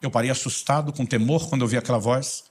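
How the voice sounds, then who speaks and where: A man's voice: medium pitch, fairly even intonation, fast, husky. A man with a Brazilian Portuguese accent, preaching a sermon as a pastor and telling stories fervently.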